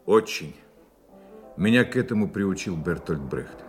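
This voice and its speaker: A man's voice: low-pitched, animated, measured pace, faint music behind. An actor playing a cool, knowing male journalist in an audio drama, reserved and dry.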